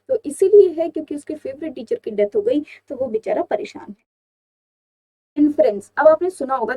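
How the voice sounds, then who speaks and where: A woman's voice: high voice, mellow. A young woman with an Indian accent teaching an exam-prep vocabulary lesson, explaining each word and asking her students rhetorical questions. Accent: Indian English.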